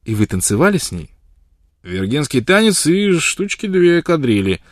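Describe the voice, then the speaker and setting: A man doing a gruff older frontiersman. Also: a little high, big pitch swings, moderate pace, no echo, clean studio sound, voice pushed up. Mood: blunt.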